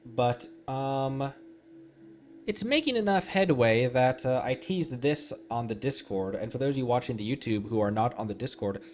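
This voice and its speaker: Chatty man streaming, lively pitch. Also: normal speed. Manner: rambling, punning, laughs often. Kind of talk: casual gaming livestream chat.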